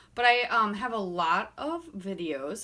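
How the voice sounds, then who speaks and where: A woman with a strong Minnesotan accent and a bright, sharp tone. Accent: thick Minnesota. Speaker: scrapbooking YouTuber. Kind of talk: casual chat. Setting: home craft room. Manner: rambling, filler-heavy.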